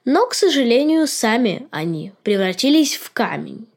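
A woman's voice: mid-range voice, darkish tone. A woman co-hosting a podcast, explaining and retelling things in a casual chat style. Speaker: podcast co-host.

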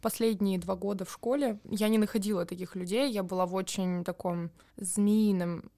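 A young woman from Siberia, co-hosting a podcast and telling stories about her student years in a casual, animated way. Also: medium pitch, moderate pace, dry recording, studio quality. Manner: animated storytelling with playful impressions and laughter. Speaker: podcast co-host. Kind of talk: casual chat.

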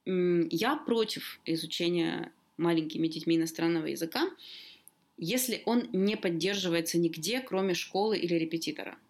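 A woman language teacher chatting as a podcast guest, explaining in a lively way with sudden lifts in her voice. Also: on the low side, normal speed. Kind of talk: casual conversation, explaining.

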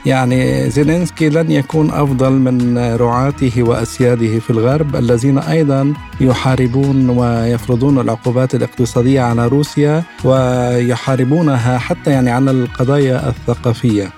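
A man co-hosting a radio program reads the news in a measured, formal manner. His voice is dark and mellow and sits at a middle pitch. Faint music plays quietly underneath him. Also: steady tone, creaky. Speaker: radio co-host. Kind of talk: news reading and discussion.

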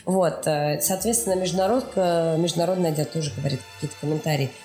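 A woman's voice: sits low, fast talker, mellow. A woman giving explanatory interview answers, going step by step and often checking she is followed. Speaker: animation studio production executive interviewed as guest. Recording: roomy echo with faint music behind.

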